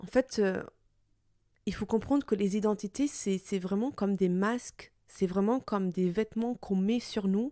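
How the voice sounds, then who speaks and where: The voice has a dark, mellow tone and fairly even intonation at a fairly slow pace. The recording is very clean, with a silent background. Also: woman. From Portugal. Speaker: podcast host. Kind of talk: personal reflective monologue. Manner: hesitant, many fillers.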